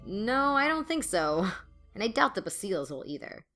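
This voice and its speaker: A woman's voice: medium pitch, very animated, moderate pace, loud music behind the voice. A woman playing a blunt, exasperated female student who narrates and acts in an audio drama, with a dry sardonic manner. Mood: weary, irritated. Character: exasperated, sarcastic female student, narrator of her own story.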